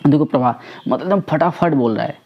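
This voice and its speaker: A man's voice: fairly high pitch, fairly quick, lo-fi sound. A young man teaching an exam-prep lecture, asking questions and answering them himself, with English words mixed into his talk.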